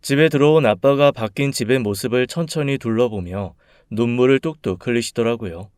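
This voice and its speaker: Calm man narrating a story. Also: mid-range voice, fairly quick, smooth, no room sound, studio quality.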